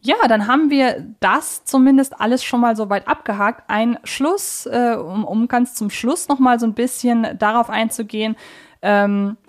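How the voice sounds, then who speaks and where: A woman's voice: on the high side, normal speed. A woman co-hosting a casual, analytical podcast, who often searches for her words and corrects herself as she talks. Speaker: podcast co-host.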